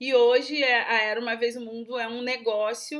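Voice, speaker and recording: A woman speaks with a high pitch. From Rio de Janeiro, Brazil. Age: 30s. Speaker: entrepreneur and historian. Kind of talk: recorded presentation.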